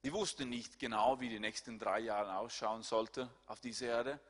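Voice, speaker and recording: A male pastor, preaching a sermon and swinging between loud, high-pitched appeals and quiet, low asides. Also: fairly even intonation, moderate pace. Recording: hall reverb.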